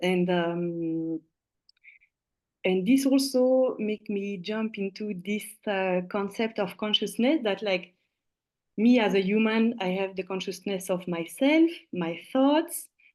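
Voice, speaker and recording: A woman with a French accent at a medium pitch, very slow in pace, lively in intonation, over a quiet background. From Belgium (French-speaking). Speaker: healing instructor. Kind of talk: lecture. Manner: halting.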